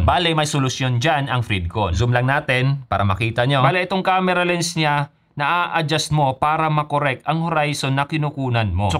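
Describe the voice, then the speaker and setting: A man's voice: a little high, fairly bright tone. A man with a Filipino accent giving a scripted motorcycle gear review as a vlogger, mixing in English phrases. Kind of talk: scripted review narration with Taglish code-switching.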